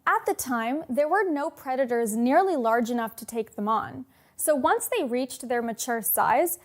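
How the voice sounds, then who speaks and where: A woman with a high-pitched voice narrates a scripted nature documentary. She presents as the host of an animal show, and music plays softly behind her.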